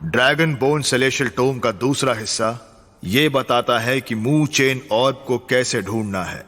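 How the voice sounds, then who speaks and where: A grave male adventurer tells a legend in a dubbed film, voiced by a man. His tone is bright and forward at an ordinary male pitch. He speaks in a measured, solemn storytelling manner. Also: faint music behind, natural voice.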